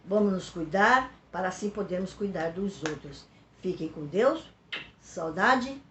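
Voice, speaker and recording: A woman teacher with a São Paulo Brazilian accent explains a lesson for pupils slowly and patiently, repeating key words and checking in with her listeners. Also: fairly low pitch, animated, a bit bright, reverberant, a little hiss or hum. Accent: Brazilian Portuguese, São Paulo.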